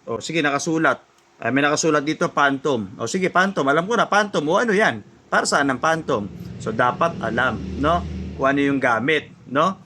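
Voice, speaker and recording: A man's voice: a little high, pushed and bright. A man teaching audio mixer basics to beginners in a chatty way, often asking "no?" and acting out what beginners think. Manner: chatty, keeps asking "no?", acts out beginners' thoughts; jokes and laughs at himself. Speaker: audio mixer tutorial host. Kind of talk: casual spoken lesson.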